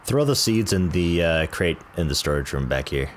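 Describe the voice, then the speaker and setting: A man casually chatting with a friend while playing a co-op game, relaxed and muttering as he sorts items. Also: low-pitched, moderate pace, slight background noise. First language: English. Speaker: gaming channel host. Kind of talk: casual co-op gameplay chat.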